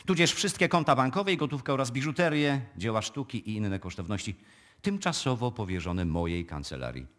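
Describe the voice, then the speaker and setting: An actor playing a formal, discreet male notary in a radio play, speaking in a measured, officious manner. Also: mid-range voice, sing-song, a bit bright. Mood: formal, official. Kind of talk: live radio play acting.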